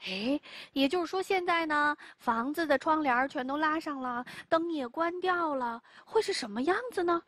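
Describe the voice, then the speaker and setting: A woman telling a story to children in an animated, exclamatory way. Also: sits high, moderate pace, few pauses, no echo.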